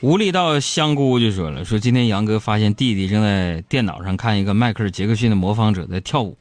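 A man hosting, telling listener jokes in a comic storytelling style, animated and quick to laugh at his own punchlines. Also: fairly low pitch, no room sound, faint music behind. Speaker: host reading listener jokes.

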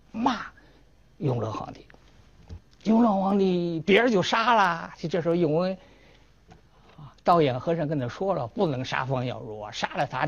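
Animated male history storyteller. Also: a little high, breathy edge. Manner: animated, acts out dialogue. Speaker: history lecturer. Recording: dull lo-fi recording.

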